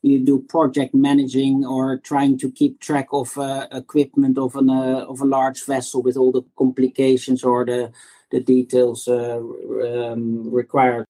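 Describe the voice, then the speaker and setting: A man's voice: mid-range voice, monotone, unhurried, warm tone. A middle-aged man with a Dutch accent, a startup founder answering interview questions with many restarts and repeated words. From Netherlands.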